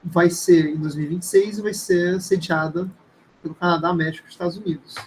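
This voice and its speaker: A Brazilian man with a fairly high voice teaches an informal live class. He speaks conversationally and hesitantly, often checking in with short tag questions. Noticeable noise sits behind his voice. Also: fairly even intonation, brisk, darkish tone, poor audio. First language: Portuguese. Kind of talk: informal live lecture with screen demonstration.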